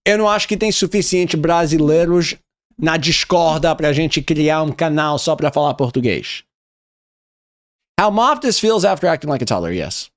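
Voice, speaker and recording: A man's voice: a little high, lively intonation, normal speed. A young man with a slightly raised voice reads out memes on a live stream and reacts to each one. He swears freely and laughs as he goes. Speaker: streamer reviewing viewer memes. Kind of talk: casual live-stream commentary.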